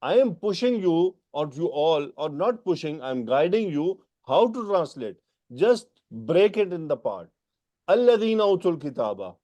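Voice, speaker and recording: A man's voice: on the high side, sing-song, normal speed, mellow, muffled recording. A man whose first language is Urdu, with a South Asian accent, teaching Quran grammar in an online class and patiently correcting students. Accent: South Asian English. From Pakistan or India. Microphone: video call.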